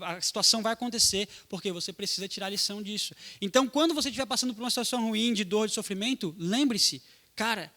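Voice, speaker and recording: A man's voice: sits high, sharp tone. A young adult man, a pastor preaching a sermon in a casual, slangy way aimed at young people.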